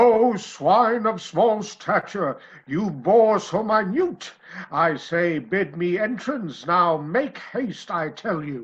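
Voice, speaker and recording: A put-on character voice, growling, at a middle pitch and a very slow pace. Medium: audio drama. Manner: archaic, pompous, growling.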